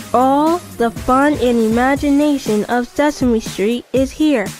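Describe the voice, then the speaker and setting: Music plays in the background as a woman speaks. Her voice is high-pitched, and her loudness stays very even. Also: ordinary pitch variation, fairly slow pace. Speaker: voice actor. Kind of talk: TV commercial read.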